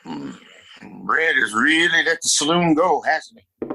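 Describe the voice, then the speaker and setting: Man acting a bright-voiced, haughty Western town boss. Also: fairly high pitch, very animated, unhurried, full character voice, rough recording. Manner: condescending, commanding. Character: domineering, scornful wealthy father and town boss. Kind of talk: Western audio play acting.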